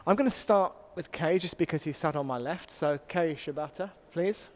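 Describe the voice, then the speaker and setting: A middle-aged man moderating a conference panel, explaining things in a measured, storytelling way to introduce the discussion. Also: a little high, a little hiss or hum. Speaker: panel moderator, senior university academic. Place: conference hall. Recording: echoey hall with long reverb.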